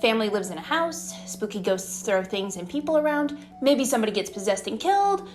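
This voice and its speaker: A woman's voice: a little high, big pitch swings, brisk. A woman hosting and narrating a scripted video essay in a conversational way, leaning into dramatic emphasis. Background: background music.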